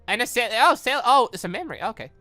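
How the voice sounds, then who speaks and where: Very animated, bright-voiced gushing gamer. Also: medium pitch, quick pace, no room sound. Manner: gushing, exclaiming, rambling. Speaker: gaming channel host. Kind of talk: excited playthrough commentary of a visual novel, reading dialogue aloud. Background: music.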